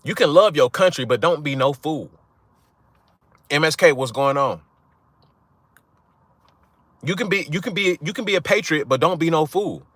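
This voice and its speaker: Young man, blunt rant-style host, bright edge, dry close mic. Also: on the high side, animated, moderate pace, pauses often, no room sound. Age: young adult. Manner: blunt, profane, repeats "right?" for emphasis. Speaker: channel host. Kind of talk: casual monologue to viewers.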